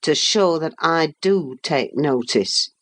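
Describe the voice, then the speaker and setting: A woman reading aloud who voices a sullen, resentful young man in a low, unhurried voice close to her own. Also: lively intonation, fairly bright tone, exaggerated voice.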